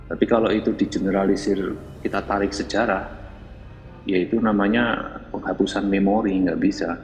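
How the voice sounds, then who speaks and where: A man making measured, formal arguments in an online religious debate. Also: on the low side, steady tone, a little mellow, in a large hall, soft background music, low-quality recording. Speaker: debate participant.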